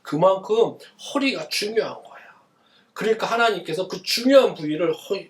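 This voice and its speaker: A male pastor giving a children's sermon, asking the kids questions and answering them himself in an animated way. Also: high-pitched, normal speed, roomy sound, distant mic. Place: church.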